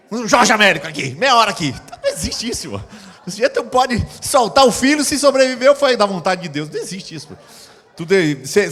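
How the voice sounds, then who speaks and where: Preaching in a church hall, a middle-aged pastor with a high, fairly bright voice brings his sermon to life by acting out scenes with sound effects. The recording carries long hall reverb.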